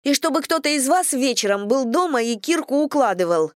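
A woman's voice: high-pitched, lively intonation, no room sound, clean studio sound, voice pushed up. A woman voicing a blunt teenage schoolgirl who complains to her mother in an audiobook. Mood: demanding. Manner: fast indignant grumbling.

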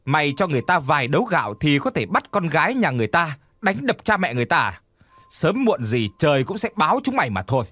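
A man voicing a beaten young man who hurls harsh, rushed accusations at his tormentor. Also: fairly high pitch, big pitch swings, a bit bright, no echo. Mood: defiant fury. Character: beaten, defiant young man seething with hatred.

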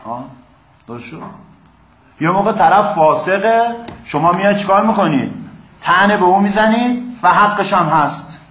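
A man's voice: sits high, lively intonation, fairly bright tone, roomy sound. A man teaching a class on Quran commentary, reading Arabic passages aloud and explaining them, often checking that his listeners follow and prompting them to answer. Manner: reads Arabic passages, then explains them in plain speech. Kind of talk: classroom lecture.

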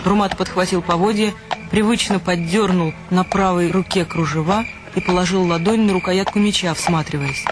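A man's voice: sits high, steady tone, normal speed. A man narrating a literary radio play, reading scripted prose as the storyteller. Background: music.

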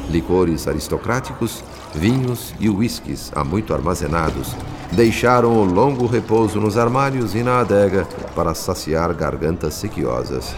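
A man's voice: deep voice, background noise. A man playing the solemn narrator of a Brazilian radio drama, with a Brazilian accent and a formal, literary delivery. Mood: grave, disapproving. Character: solemn spirit narrator, grave and literary observer. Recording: long reverb under faint music.

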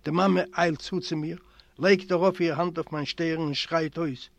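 A man's voice: moderate pace, gravelly. A man, a native Yiddish speaker, reading a literary memoir aloud and giving the characters their own voices. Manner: expressive, voices characters with raised pitch. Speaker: audiobook reader. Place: library recording room.

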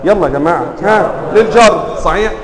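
A man teaching Arabic grammar to a class. He quizzes the students with frequent questions and drawls example words slowly for emphasis. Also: sits high, crowd noise. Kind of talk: classroom lecture. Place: lecture room with students. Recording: roomy echo, faint ambience.

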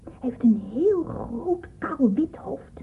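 A woman's voice: high voice, very animated, slow, full character voice. A woman voicing a curious, naive small child, prattling and questioning in a radio play. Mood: curious, artless. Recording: muffled, phone-like old radio recording.

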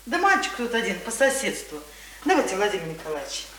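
A woman's voice: mid-range voice, very animated, fast, a crowd in the background, lightly acted, rough recording. An actress playing a worn-out single mother in a Russian radio drama, fond but complaining, with homely folksy speech. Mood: embarrassed, scolding. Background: loud accordion and music.

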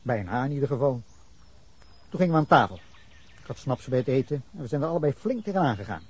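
A man's voice: mid-range voice, very animated, fast, husky. An actor playing a defensive middle-aged man giving police an angry, rambling account of a drunken fight, in a radio drama. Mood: indignant. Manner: indignant, rambling account with bursts of anger. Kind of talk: Dutch radio drama acting.

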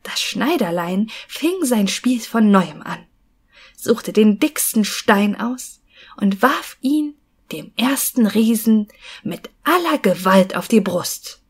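Slow, calm woman reading a fairy tale. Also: medium pitch, slightly rough. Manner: calm, deliberate storytelling. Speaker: audiobook narrator.

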